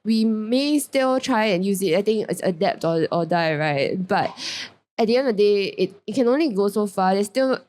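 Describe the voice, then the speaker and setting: A woman with a Singaporean English accent speaks at a moderate pace in a medium, slightly mellow voice with lively intonation. She's a character brand founder appearing as a guest on a business panel, chatting away and often restarting or correcting herself.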